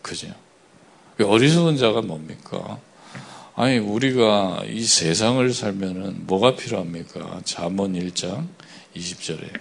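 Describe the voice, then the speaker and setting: A man preaching a sermon, often asking the congregation for agreement and swinging between loud emphatic bursts and quiet asides. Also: low-pitched, measured pace, creaky, husky. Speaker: pastor.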